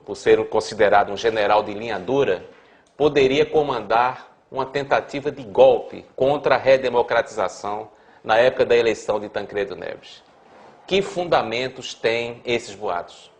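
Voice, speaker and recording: A man with a Brazilian Portuguese accent asking a television interview's questions in a measured, deliberate way. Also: mid-range voice, lively intonation.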